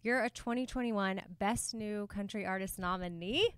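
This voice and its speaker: A woman's voice: mid-range voice, moderate pace, smooth, no room sound. A woman interviewing casually on a live red carpet entertainment show.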